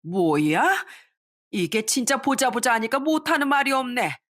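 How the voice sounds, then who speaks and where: A woman's voice: fairly high pitch, very animated, a little slow, a bit bright, voice pushed up, heavily acted. A woman voicing a haughty middle-aged mother-in-law who scolds and sneers in a storybook drama. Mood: scornful.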